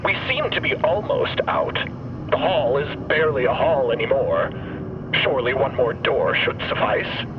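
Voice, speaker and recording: A man's voice: very animated, moderate pace, close to an everyday voice. An actor playing an earnest, pragmatic, worried starship crewman who speaks formally in an audio drama. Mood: urgent, regretful. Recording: dull sound under loud engine-like rumble.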